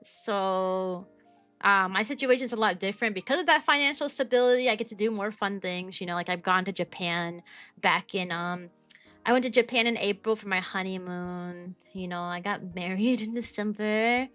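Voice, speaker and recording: A woman in her mid-twenties with a high, youthful-sounding voice, chatting casually with her stream viewers and rambling with lots of ums, likes and restarts. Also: normal speed, a bit bright, smooth, faint music behind. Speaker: VTuber streamer and kindergarten teacher.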